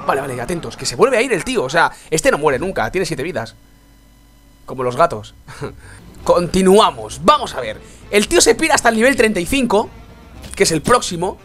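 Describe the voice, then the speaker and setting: A young man, commenting on a mobile game he is playing, congested and sore-throated from a cold, swinging between low muttering and excited outbursts. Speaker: gaming YouTuber. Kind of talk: let's play commentary.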